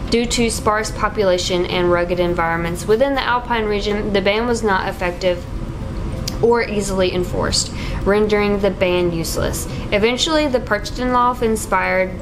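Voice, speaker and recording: A woman's voice: mid-range voice, normal speed, background noise. A woman hosting a casual podcast, reading from notes and laughing often between passages. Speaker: podcast host.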